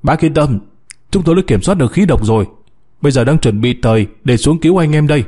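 Brief: calm male rescue commander calling down to survivors, animated, a man playing him. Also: on the high side, quick pace, husky. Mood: reassuring. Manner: calling out, reassuring. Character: male rescue leader, steady and reassuring.

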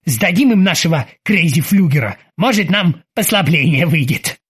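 A man voicing a ship captain with a husky voice and dry, sarcastic commands. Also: on the high side, animated, moderate pace, a bit bright, heavily acted. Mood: ironic.

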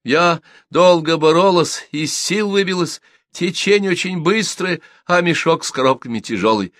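A man's voice: fairly high pitch, normal speed, a bit bright, no echo, clean studio sound, voice pushed up, natural voice. A man voicing a tearful, frightened young village girl who talks in a pleading, breathless way.

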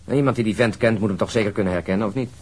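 An actor playing an impatient, cynical police detective in a Dutch radio drama, blunt, sarcastic and grumbling. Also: male voice, on the low side, racing, a little mellow, breathy edge. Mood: irritated, sarcastic. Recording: noisy recording with background ambience.

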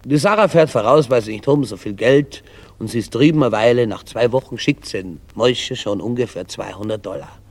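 A man's voice: mid-range voice, fairly quick, a little mellow. A male comedian telling jokes in a Yiddish-flavoured storytelling style.

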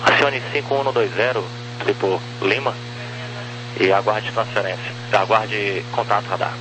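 Low-voiced Brazilian man controller on noisy radio. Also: fairly even intonation, moderate pace. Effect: aviation radio. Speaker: air traffic controller. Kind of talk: air traffic radio instructions. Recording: humming, noisy radio transmission.

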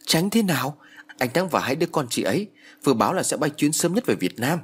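A man's voice: on the high side, very animated, fairly quick, slight background noise, voice pushed up. A man playing a worried younger brother in a spoken horror story, pressing with anxious questions.

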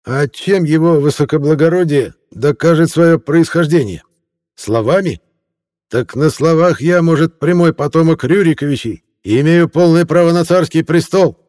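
A man's voice: a little high, normal speed, a little mellow, pitched above the performer's own voice, natural voice. A man voicing a tipsy, insolent newspaper reporter who slurs and mocks in old-fashioned phrases. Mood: mocking. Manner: slurring, mocking, pompous old-fashioned phrasing. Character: drunken, insolent young male newspaper reporter.

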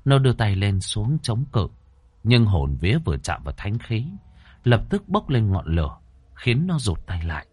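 A man reading a ghost story aloud as a storyteller, in a dramatic, expressive style. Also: fairly low pitch, moderate pace, slightly rough, no echo. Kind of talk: scripted ghost-story narration.

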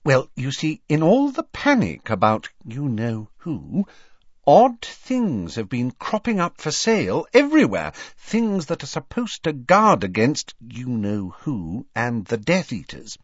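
A man voicing an anxious, fussy middle-aged witch mother who speaks in a stern, high-pitched way. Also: huge pitch swings, a little slow, dry recording. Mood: fretful. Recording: dull, dry lo-fi recording.

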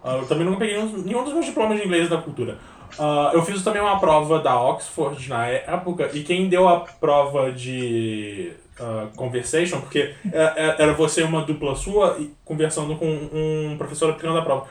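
A young Brazilian man co-hosting a podcast, rattling along at high speed in a slightly high voice. He rambles, restarts and swears freely in casual chat. He sits back from the mic in a room with a lot of echo. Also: a little fast, far from the mic. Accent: Brazilian Portuguese. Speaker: podcast co-host. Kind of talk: casual chat over a video call.

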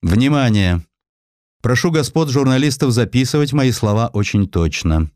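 A man's voice: mid-range voice, animated, moderate pace, darkish tone, no room sound, studio quality, voice pushed up, natural voice. A man voicing a proud, embittered, cynical ageing industrialist in a declamatory, emphatic way for an audiobook. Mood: solemn, declaring. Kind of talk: acted quotes in an audiobook.

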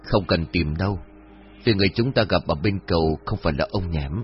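A man's voice: sits low, fairly quick, natural voice. A man voicing a serious, earnest young village man. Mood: grave. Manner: grave and earnest. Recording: dull lo-fi audio with faint music.

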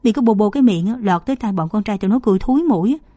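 A woman voices a shy young female student who protests and brushes off teasing. The tone is mellow and the recording is dry and close. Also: medium pitch, animated, rapid-fire, no echo, close to an everyday voice. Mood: defensive.

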